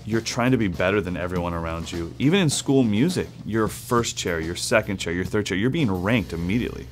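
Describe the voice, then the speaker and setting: A man with a notably deep, low voice talks earnestly about his work as an online drum teacher. His reflective, conversational delivery suits a documentary interview, with faint music underneath. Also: animated, brisk.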